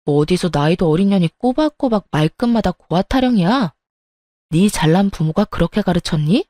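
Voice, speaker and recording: A woman's voice: animated, normal speed, warm tone, no room sound, studio quality. A woman voicing a rude, hot-tempered young sister-in-law who curses and mocks. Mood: furious. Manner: shrill, cursing, scornful.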